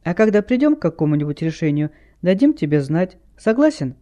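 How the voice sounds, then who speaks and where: A man playing a sensible teenage girl sleuth with a raised, mellow voice. She speaks firmly yet gently, reasoning things through in an audiobook. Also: high voice, sing-song, a little fast. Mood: persuasive. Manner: firm but gentle, reasoning.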